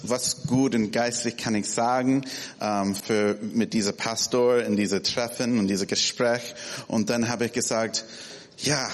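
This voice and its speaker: Slow, halting man in a reverberant hall. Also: medium pitch. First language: not German. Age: 40s. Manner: halting, searching for words, many restarts. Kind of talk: informal church talk. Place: church hall.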